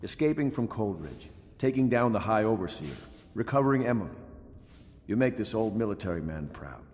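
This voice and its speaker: Old army officer in a game, low voice, briefing, reverb and music behind. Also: male voice, sing-song, darkish tone, a little hiss or hum. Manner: brisk briefing tone. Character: old military man, proud and commanding. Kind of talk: video game dialogue.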